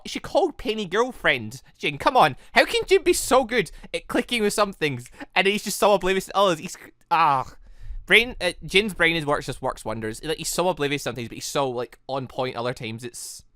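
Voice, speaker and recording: A gaming host giving excitable, rambling commentary and reading visual novel dialogue aloud, often repeating words. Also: mid-range voice, fairly quick, no room sound, clean studio sound. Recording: music behind the voice. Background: background music.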